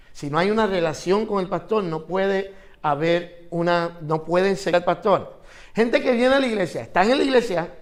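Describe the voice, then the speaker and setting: A man teaching an interactive Bible class, asking his students questions and repeating phrases for emphasis. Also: sits high.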